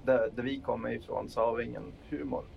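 A man's voice: mid-range voice, level tone, vocal fry, highs cut off, slight background noise. A man playing a tabletop game in character, playful and slangy. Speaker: player.

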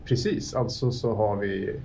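A man's voice: on the low side, fairly even intonation, vocal fry, mellow, a little hiss or hum. A man playing a tabletop game in character, talking hesitantly with many fillers. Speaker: player. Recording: distant mic in room.

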